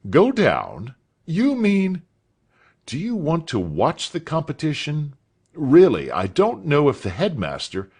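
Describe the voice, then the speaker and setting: A man reading aloud voices a kindly, eager schoolmaster keen on boxing, with an animated, exclaiming delivery. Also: mid-range voice, takes it slowly, slightly rough, pitched above the performer's own voice, full character voice.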